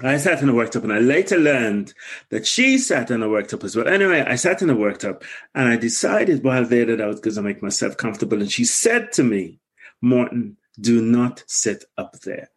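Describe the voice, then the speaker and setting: Husky man telling his story. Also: medium pitch, animated, a little fast. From Guyana. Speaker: guest.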